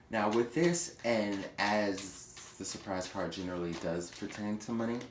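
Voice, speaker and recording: A man giving a chatty tarot reading, with playful asides and quick self-corrections. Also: low-pitched. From Houston, Texas. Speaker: tarot reader. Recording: echoey room with faint noise.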